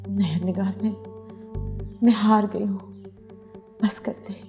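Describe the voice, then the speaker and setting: A woman's voice: mid-range voice, fairly even intonation, takes it slowly, warm tone, muffled recording, soft background music. An actress playing a desperate, guilt-ridden woman who pleads emotionally, in Pakistani Urdu. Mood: pleading. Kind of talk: TV drama acting.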